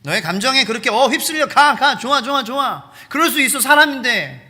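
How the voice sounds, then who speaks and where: A man's voice: very high voice, big pitch swings, brisk, pushed and bright, pitched above the performer's own voice, exaggerated voice. A man voicing a devil who coaxes a believer into anger, in a gleeful, goading tone, recorded in a reverberant church hall. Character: taunting male devil egging a believer on.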